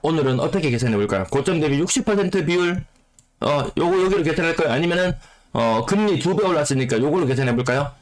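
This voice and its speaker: A man whose voice is rough from a cold, explaining housing market figures and repeating key phrases for emphasis. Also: fairly high pitch, lively intonation, fast talker. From South Korea. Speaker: real estate YouTuber. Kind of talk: data commentary on the housing market.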